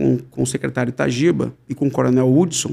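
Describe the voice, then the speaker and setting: Against a quiet background, a man with vocal fry talks at a moderate pace. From Rio de Janeiro, Brazil. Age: 50s. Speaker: cultural NGO founder and audiovisual producer; podcast guest. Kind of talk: casual interview. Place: studio. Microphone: studio mic.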